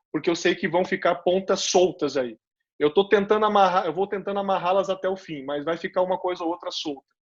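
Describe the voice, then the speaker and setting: A high-pitched male voice at a fairly quick pace, with fairly even intonation, over a quiet background. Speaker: Bible teacher. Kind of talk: Bible study lecture. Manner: fast.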